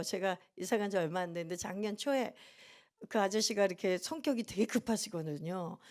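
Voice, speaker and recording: A woman's voice: high voice, darkish tone. A middle-aged woman pastor preaching a sermon in a church, telling stories earnestly and acting out what people said. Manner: earnest storytelling with acted-out quotes.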